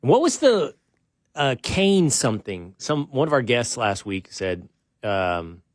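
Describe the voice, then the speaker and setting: A middle-aged man hosting a show, talking in a relaxed, rambling way with lots of restarts and joking asides. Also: medium pitch, takes it slowly, dry recording, studio quality. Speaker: podcast host. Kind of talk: casual show-opening chat.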